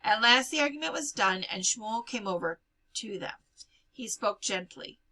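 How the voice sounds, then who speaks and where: A woman reading a novel aloud in an expressive storybook style, giving life to the dialogue. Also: on the high side, normal speed.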